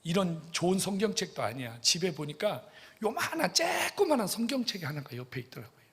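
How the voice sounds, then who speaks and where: This middle-aged male pastor's sermon story lurches between hushed whispers and abrupt loud bursts as he repeatedly addresses the congregation and repeats phrases. His husky, high voice is sing-song and brisk, carried by the long reverb of the church sanctuary.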